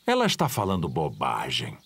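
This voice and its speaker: A man's voice: rumbling low, wildly swooping pitch, moderate pace, a bit bright, slight background noise, full character voice. A man voicing a jolly, bumbling father pig in a cartoon dub, hearty and chuckling. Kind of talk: Brazilian Portuguese cartoon dub.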